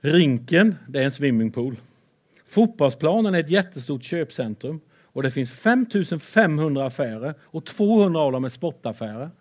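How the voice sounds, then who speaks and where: A man preaching a lively sermon with Bible readings, excitable and playful, swinging between loud and soft. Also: fairly high pitch.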